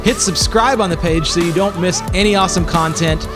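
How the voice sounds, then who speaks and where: Brief: upbeat man, high voice, promo intro with clear music underneath. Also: brisk. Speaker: co-host. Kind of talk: scripted show intro. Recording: voice over music bed.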